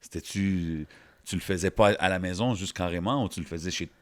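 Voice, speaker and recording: A man's voice: sits low, a little fast. A man with a Montreal Quebec French accent co-hosting a podcast, chatting casually and agreeably with English words mixed in. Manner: agreeable, often affirms the guest. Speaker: podcast co-host, interviewer.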